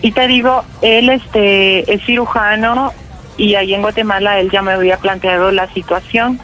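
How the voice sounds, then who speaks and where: A performer playing a young trans woman, halting and filler-heavy on a prank call. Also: medium pitch, fairly even intonation, fairly bright tone, faint music behind, natural voice, low-quality recording. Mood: hesitant. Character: young trans woman calling her mother, nervous. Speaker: prank caller. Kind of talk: prank phone call role-play.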